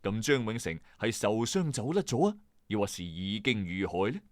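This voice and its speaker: A man's voice: fairly low pitch, very animated, normal speed, no room sound. A man with a Hong Kong Cantonese accent hosting and narrating a scripted true-crime mystery in a suspenseful, conversational storytelling manner. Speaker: storyteller host of a mystery channel.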